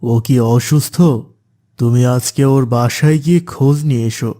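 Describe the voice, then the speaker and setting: A man voicing a calm, instructive male religious teacher in a cartoon. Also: mid-range voice, normal speed, lightly acted.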